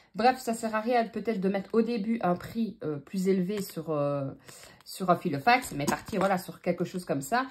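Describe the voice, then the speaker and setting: The speaker is a woman with a medium-pitched voice. She sounds somewhat breathy. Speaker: budgeting vlogger. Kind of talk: casual tutorial vlog. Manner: mumbles words.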